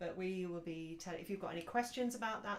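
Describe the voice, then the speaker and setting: With a British accent, a woman speaks at medium pitch, with audible room echo. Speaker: health and keto channel co-host, nutrition coach. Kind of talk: casual live stream chat. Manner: loud.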